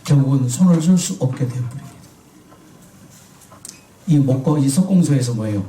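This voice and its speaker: A man's voice: mid-range voice, expressive, moderate pace, warm tone, roomy sound, far from the mic, rough recording. A man preaching a sermon who keeps asking his congregation questions and then answering them himself. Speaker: pastor.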